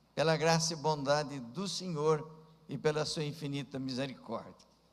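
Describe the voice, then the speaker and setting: A man speaks at a fairly high pitch with fairly even intonation. His moderate pace is heard with audible room echo. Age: 70s. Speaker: pastor. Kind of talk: sermon.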